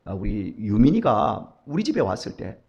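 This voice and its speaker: A man's voice: fairly low pitch, normal speed, creaky. A middle-aged man preaching a dawn sermon, telling stories and acting out the voices of the people in them. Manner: storytelling, animated, acts out quoted voices. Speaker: pastor.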